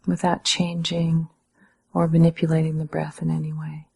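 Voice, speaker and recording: Husky, creaky woman guiding meditation. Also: low voice. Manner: calm, measured, gently instructing with pauses. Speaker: Zen meditation teacher. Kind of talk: guided meditation instruction.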